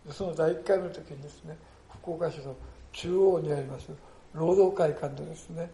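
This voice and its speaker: An older man, a pastor, delivering a sermon in an earnest storytelling way, often tagging his phrases with a soft emphatic filler. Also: a little high, fairly even intonation, normal speed, slight background noise. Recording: echoey church hall.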